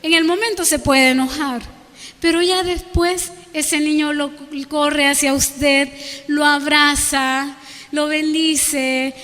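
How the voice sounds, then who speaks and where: High-voiced woman preaching in a hall. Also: fairly bright tone. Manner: fervent, asks the congregation rhetorical questions; addresses listeners as brothers and sisters. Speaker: guest preacher. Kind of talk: evangelical sermon. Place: church. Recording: long reverb of a church hall.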